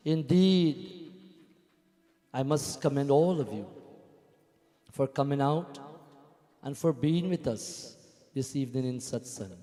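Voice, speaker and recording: A man's voice: medium pitch, slow, long pauses, dark tone. A man giving a devotional sermon and welcome as a Hindu spiritual leader, exhorting with rhetorical questions and repeated phrases. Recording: reverberant hall, music behind.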